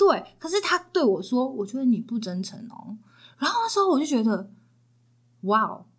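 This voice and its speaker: Animated in tone, a woman speaks in a fairly high pitch with very wide pitch swings, big swings in loudness and long, frequent pauses. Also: moderate pace. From Taiwan, Kaohsiung (south). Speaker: churchgoer sharing faith story. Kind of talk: testimony.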